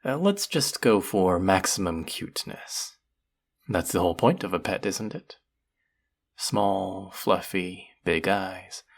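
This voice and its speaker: A man's voice: low voice, expressive, takes it slowly, gravelly, heavily acted. A man playing a cruel, powerful, vain sorcerer in a fantasy audio roleplay, speaking to the listener in a theatrical, menacing drawl. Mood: musing, scheming.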